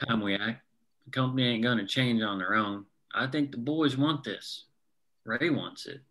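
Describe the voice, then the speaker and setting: A blunt, folksy union miner, acted by a man in a historical drama read-through. His voice is forceful and bright, at an ordinary male pitch. He speaks plainly, like a working man. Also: moderate pace, natural voice. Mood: grave.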